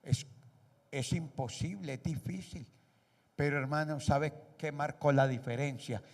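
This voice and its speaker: A man's voice: on the high side, a little slow. A pastor preaching a sermon. He is emphatic and keeps putting rhetorical questions to the congregation. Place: church hall. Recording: echoey church hall.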